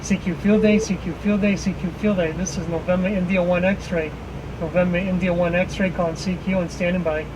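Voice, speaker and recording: A man making a ham radio call at an outdoor station, repeating his call sign in the phonetic alphabet in a steady, measured way. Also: high-pitched, noisy background. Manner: steady, repetitive, measured delivery. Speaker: amateur radio operator. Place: temporary outdoor radio station run on generator power.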